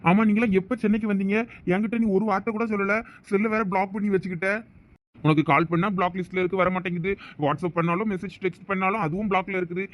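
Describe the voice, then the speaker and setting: A pushy, lovesick young man in a cartoon, voiced by a man. He talks fast in a fairly high voice, pressing and demanding. He keeps at it without letting up. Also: steady tone, close to an everyday voice. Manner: insistent, demanding.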